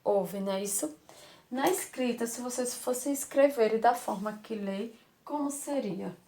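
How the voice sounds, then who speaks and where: A woman's voice: fairly high pitch, moderate pace, warm tone. A Brazilian woman teaching a lesson to young children, affectionate and patient, repeating words and asking rhetorical questions. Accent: Brazilian Portuguese.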